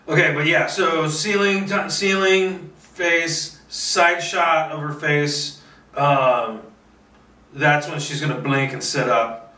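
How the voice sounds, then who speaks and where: During a solo table read, a filmmaker with a fairly high, bright, forceful voice muses aloud in a casual, meandering monologue, boasting in fun, talking to himself, and swearing at times. He's recorded from a distance in an echoey space.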